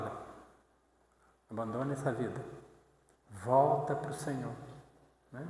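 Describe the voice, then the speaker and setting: A man preaching a conversational sermon in church, often ending thoughts with a questioning "right?". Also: mid-range voice. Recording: echoey church hall.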